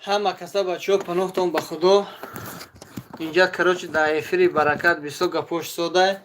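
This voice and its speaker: A man's voice: sits high, fairly even intonation, moderate pace, background noise. A man who is a native Tajik speaker, with a Central Asian accent, chatting casually on a live stream. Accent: Central Asian accent in Russian.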